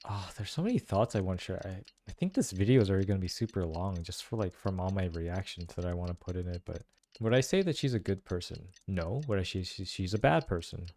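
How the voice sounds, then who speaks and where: A man's voice: deep voice, expressive, fast, a little mellow. A young man giving casual, slangy, musing reaction commentary on a game. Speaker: gameplay reaction host. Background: game music.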